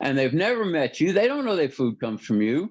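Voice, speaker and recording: Against a quiet background, a man with an American accent talks at a moderate pace with very wide pitch swings. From US Midwest, Kansas City. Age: 70s. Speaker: farmer. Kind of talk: podcast interview. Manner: conversational with frequent fillers.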